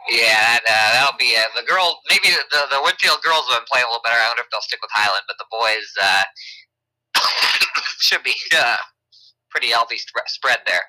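A hoarse man co-hosting a local sports talk show, talking at length with lots of fillers. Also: mid-range voice, normal speed, pushed and bright, low-quality recording. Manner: chatty, hedging with fillers. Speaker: sports radio co-host.

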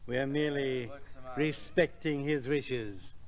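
A man's voice: mid-range voice, takes it slowly, crowd noise, lightly acted. An actor playing a formal, florid, self-important male barfly philosopher in a 1940s radio drama. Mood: pompous, genteel. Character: pompous male philosopher of Skid Row winos.

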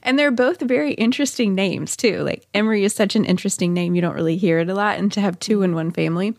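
A woman's voice: medium pitch, quick pace, gravelly. A woman with a mid-range voice tells a true-crime story as a podcast host. Her delivery is conversational, moving between narration and chatty personal asides. The sound is dry, with no room echo.

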